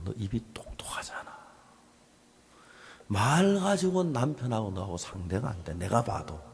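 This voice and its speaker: A male pastor preaching at a Bible seminar, telling stories and acting out conversations, swinging from loud outbursts to soft whispers. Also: mid-range voice, creaky.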